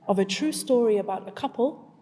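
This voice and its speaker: With a warm, highish voice and lively intonation, she talks a little fast, and there's a faint hiss or hum on the recording. She is a woman in her forties who grew up in Zimbabwe, addressing a live audience at a community event, asking questions before telling a personal story. The large hall gives a long reverb.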